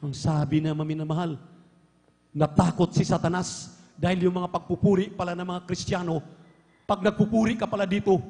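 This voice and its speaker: A man preaching a fervent sermon in a large church, sprinkling his words with hallelujahs and swinging between hushed tones and shouts. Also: sits high, vocal fry. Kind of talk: Pentecostal-style sermon. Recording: long hall reverb from a church live stream.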